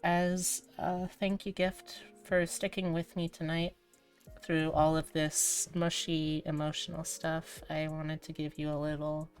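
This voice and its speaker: A woman with a low, smooth voice talks casually to her livestream viewers over music. She takes her time, and her wording is informal and playful. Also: flat delivery, unhurried. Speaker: livestreamer, VTuber host. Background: background music.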